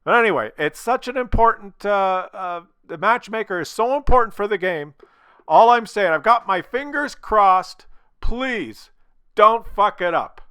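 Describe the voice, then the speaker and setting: Bright-voiced man with a cold. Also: sits high, expressive, measured pace, clear, resonant tone, no room sound. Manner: blunt and opinionated, swears freely. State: losing his voice from a cold. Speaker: gaming video creator. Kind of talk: casual commentary to viewers.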